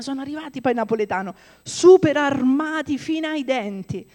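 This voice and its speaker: A woman's voice: mid-range voice, dark tone, in a large hall. A woman delivering a conversational sermon, reading scripture aloud and often checking in with her listeners. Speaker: preacher.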